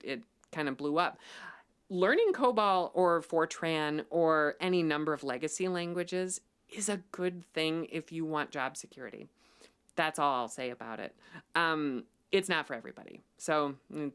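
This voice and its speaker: A woman's voice: low-pitched, a bit bright, smooth. A woman hosting a casual livestream, chatty and full of ums, growing emphatic when she argues a point. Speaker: livestream host.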